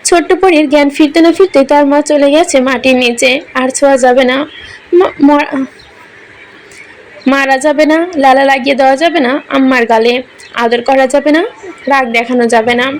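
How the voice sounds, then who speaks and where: A woman storyteller reading a romantic drama aloud with emotional, melodramatic weight. Her voice sits high, and a faint hum of room ambience runs beneath. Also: fairly even intonation, normal speed. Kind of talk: scripted narration of a romantic story.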